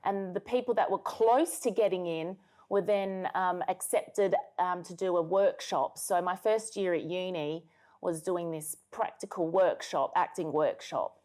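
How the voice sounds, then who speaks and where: A woman's voice: measured pace, darkish tone. Bubbly woman with a big voice. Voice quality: big booming voice. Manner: bubbly, laughs easily, chatty with fillers. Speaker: guest, singer and actress. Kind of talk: casual interview chat.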